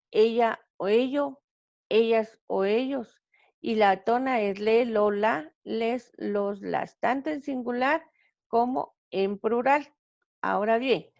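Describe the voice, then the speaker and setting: A woman teacher giving a recorded grammar lesson over slides, speaking haltingly with many fillers and self-corrections. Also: a little high, gravelly, darkish tone, no room sound. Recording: dull, lo-fi sound.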